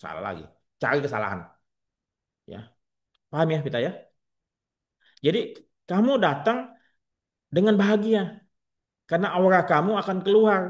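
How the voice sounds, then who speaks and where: A man's voice: sits high, sing-song, moderate pace, pauses often. A man giving a classroom lecture to insurance staff, posing rhetorical questions and answering them himself, with frank, joking asides. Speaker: insurance trainer.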